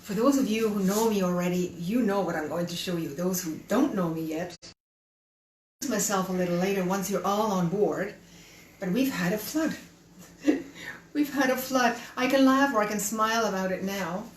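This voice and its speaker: A woman's voice: medium pitch, normal speed. A middle-aged woman from Canada and Chile hosting a live cooking stream, chatty and welcoming as she speaks straight to her viewers. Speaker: cooking show host. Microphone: camera held by her son at a distance. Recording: roomy and distant with faint hum.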